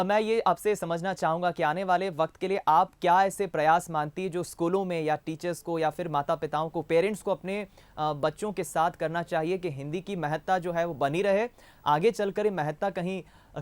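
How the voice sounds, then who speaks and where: A man's voice: sits high, clean tone, no echo. Dry-toned male news anchor. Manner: formal, measured, trailing restarts. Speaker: news show host. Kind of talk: studio panel discussion.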